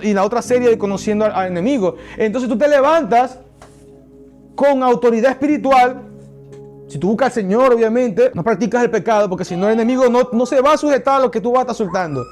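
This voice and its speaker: A man's voice: sits high, a little mellow. A male pastor preaching a sermon, emphatic and speaking straight to his congregation.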